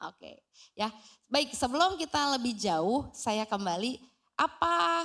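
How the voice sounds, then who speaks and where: A woman is speaking. Her pitch sits fairly high. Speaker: preacher. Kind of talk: sermon. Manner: conversational, asks audience questions.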